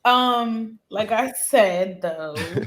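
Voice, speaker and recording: A woman of Caribbean origin trading banter as a podcast co-host. Her voice sits at an ordinary middle pitch. She is blunt and quick to laugh. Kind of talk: casual group chat.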